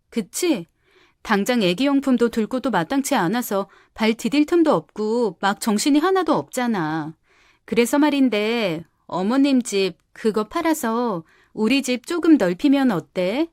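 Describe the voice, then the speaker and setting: A selfish young wife full of scorn, as a woman acts her out, coaxing and sharp by turns. Her voice sits a little high, and the recording is close and dry. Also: expressive, normal speed, no room sound, lightly acted. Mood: wheedling. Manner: wheedling, then shrill and defensive. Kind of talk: audio drama.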